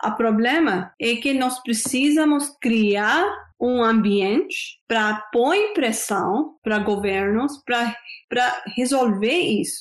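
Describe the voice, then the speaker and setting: Speaking at a very slow pace with a non-native accent, a woman uses a high pitch and lively intonation. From India. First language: not Portuguese (speaking Portuguese). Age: 50s. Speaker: international relations professor. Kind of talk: interview. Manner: halting.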